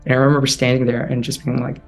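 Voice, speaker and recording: Soft-spoken man telling a hard story. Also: mid-range voice, flat delivery, gravelly, soft background music. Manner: halting, heavy use of "like", restarts; soft, drops quieter when recalling inner thoughts. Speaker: storyteller guest. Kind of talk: personal storytelling interview.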